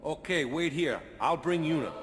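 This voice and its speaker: A man's voice: a little high, expressive, moderate pace, lightly acted. An actor playing a defensive, protective village man in a radio drama, brusque and informal. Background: music.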